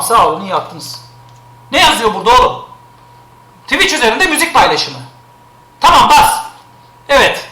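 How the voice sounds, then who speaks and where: A man's voice: very high voice, bright, forceful tone, roomy sound. A man streaming live, complaining in an exasperated way and repeating himself.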